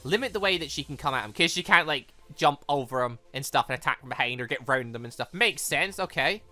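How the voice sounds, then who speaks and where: An excitable gaming YouTuber reading a visual novel aloud and commenting on it in an animated, exclaiming manner. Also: mid-range voice, fast talker. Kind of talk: let's play commentary mixed with reading dialogue aloud. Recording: music behind the voice. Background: video game music.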